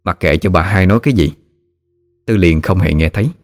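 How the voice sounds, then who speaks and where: A man narrating a ghost story in a steady, unhurried way. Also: low voice.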